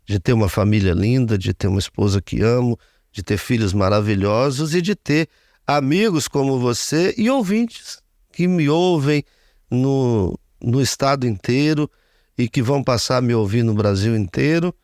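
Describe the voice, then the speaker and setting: A man's voice: mid-range voice, animated, moderate pace, a little mellow, no echo, clean studio sound. A man in his fifties, a radio broadcaster, giving an earnest interview testimony and speaking often of his faith. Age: 50s.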